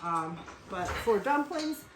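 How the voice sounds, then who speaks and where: A woman's voice: medium pitch, big pitch swings, slow. A woman born in South Korea and raised in Western Pennsylvania, hosting a casual cooking show from her kitchen in a chatty, rambling way. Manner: chatty, rambling, addresses viewers as folks. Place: home kitchen. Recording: echoey room, faint noise.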